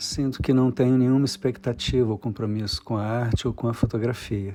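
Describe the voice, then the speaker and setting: His voice has a dark, mellow tone at medium pitch, and the man talks at a moderate pace with monotone, flat intonation. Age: 60s. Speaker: photographer and university professor. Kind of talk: reading aloud.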